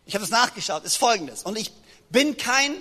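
A man preaching a sermon to a congregation, lively and joking as he speaks straight to his listeners. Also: high-pitched, moderate pace. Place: church hall. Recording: long reverb of a large hall.

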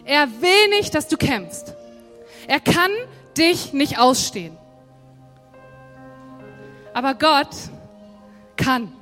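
A woman's voice: high-pitched, sing-song, drawn-out words, long pauses, a bit bright. A woman preaching a sermon in a church hall, talking directly to the congregation in a conversational way. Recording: long hall reverb, faint music.

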